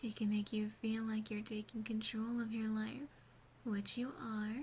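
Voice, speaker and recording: A woman plays a doting yet playfully menacing demon sister in an ASMR roleplay. The voice is highish and soft, slipping into breathy whispers, very close to a binaural mic. The words come slowly, with a faint noise behind them. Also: flat delivery. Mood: gently reassuring. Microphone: close binaural microphone.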